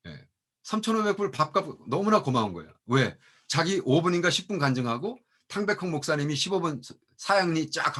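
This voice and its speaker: A middle-aged man, a pastor and mission professor, telling testimony stories in an animated way and acting out the people he quotes. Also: fairly high pitch, breathy edge. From Korea. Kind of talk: storytelling testimony talk.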